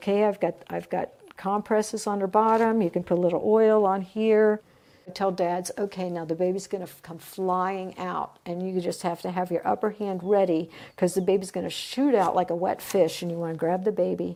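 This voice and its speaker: At a moderate pace, a woman speaks with a dark, mellow tone, medium pitch and fairly even intonation. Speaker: midwife and nurse. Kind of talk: interview answer.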